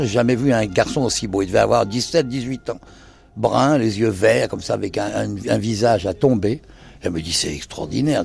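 An older bar owner tells anecdotes in casual conversation indoors in his bar lounge, acting out the dialogue he quotes and hesitating often. His voice is lowish, creaky and darkish, with a breathy edge.

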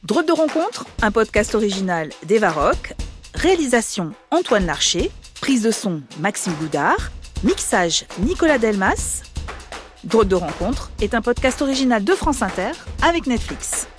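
A woman's voice: a little high, soft background music. Woman announcing podcast credits. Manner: measured, even reading. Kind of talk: scripted announcement.

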